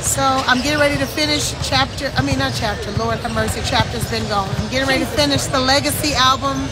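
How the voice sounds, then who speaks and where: A woman's voice, dry with no echo, amid noticeable background noise. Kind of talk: casual vlog chat. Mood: grateful, upbeat. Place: hall. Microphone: phone near.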